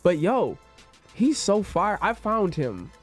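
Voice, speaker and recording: A man's voice: high-pitched, huge pitch swings, slow, soft background music. A young man chatting as a guest, retelling events by quoting himself and laughing often. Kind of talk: casual interview chat.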